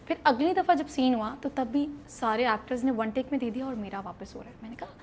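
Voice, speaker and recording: A young woman with a Pakistani accent, an actress guest in an interview, telling a story in a lively way and acting out the dialogue. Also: fairly high pitch. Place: interview set.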